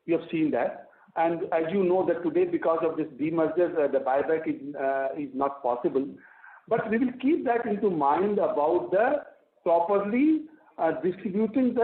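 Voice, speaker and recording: A man with an Indian accent and a fairly high voice explains business in an emphatic way, as an executive would. He comes through a narrow, tinny phone line with a strong room echo. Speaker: company executive on an earnings call. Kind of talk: explanatory business talk on an investor call. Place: conference phone call.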